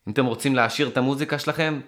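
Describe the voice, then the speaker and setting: A man from Israel talking to his viewers in a casual, rambling monologue, often stopping and restarting as he thinks aloud, and getting emphatic. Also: medium pitch. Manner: animated and emphatic.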